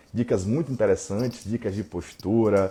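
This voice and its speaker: A man with a Brazilian accent speaks in a dark, mellow, somewhat breathy tone. His pitch varies in an ordinary way against a quiet background. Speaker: law professor and criminal lawyer. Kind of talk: live online lecture. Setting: livestream. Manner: fast, animated.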